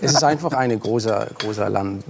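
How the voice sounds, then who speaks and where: A man with a Danish accent speaking German as a second language, answering as a talk show guest, halting and searching for words. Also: lowish voice, vocal fry, a loud crowd. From Denmark. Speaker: actor guest.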